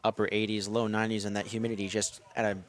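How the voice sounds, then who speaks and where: A young man calling a baseball game on the radio from a ballpark press box, steady in tone and lifting his voice on big plays. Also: on the low side, quick pace. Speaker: play-by-play announcer.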